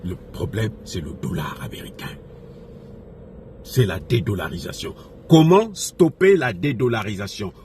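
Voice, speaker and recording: A man's voice: on the low side, very animated, unhurried, a little mellow. A man from Africa gives impassioned off-the-cuff political commentary, emphatically repeating phrases and posing rhetorical questions to his followers. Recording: noisy recording with background ambience.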